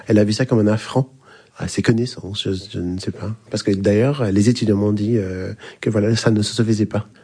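A man's voice: lowish voice, steady tone, fairly quick, warm tone, husky. A man from the English-speaking Caribbean, a university lecturer, telling a story in hesitant French with many fillers. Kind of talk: recorded interview testimony.

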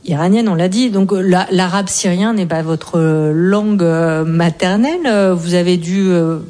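A woman's voice: fairly low pitch, moderate pace, mellow. A woman interviewing a guest on the radio, asking questions with many hesitations.

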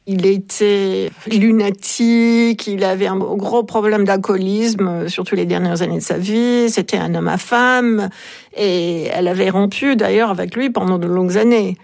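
A woman's voice: mid-range voice, steady tone, a little slow, gravelly, a little mellow. A woman, the author of a book, telling her subject's story in a radio interview, speaking conversationally with frequent hesitations.

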